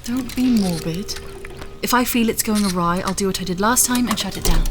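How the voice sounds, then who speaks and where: An actress playing a stubborn, confident scientist in an audio drama, speaking in an assured, articulate, insistent way. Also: female voice, medium pitch, fairly quick, music in the background, close to an everyday voice. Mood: confident, reassuring. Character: driven, stubborn female scientist, defiant and confident. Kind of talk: audio fiction acting.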